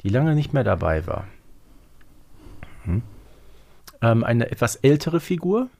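Man with lively, swinging pitch. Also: measured pace, gravelly. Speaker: podcast co-host. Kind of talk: casual chat during a guessing game.

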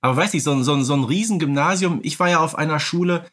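A man's voice: on the high side, quick pace, a bit bright. A man from North Rhine-Westphalia with pronunciation co-hosts a casual podcast, musing and explaining as he goes. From North Rhine-Westphalia, Germany. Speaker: podcast co-host.

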